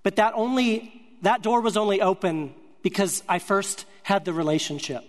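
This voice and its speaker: A man with a notably high voice tells his story from the pulpit, earnest and measured, letting his thoughts come out in short, broken-up phrases. His words ring out with the long reverb of a large hall. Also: steady tone. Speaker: speaker sharing a ministry testimony. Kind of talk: storytelling sermon.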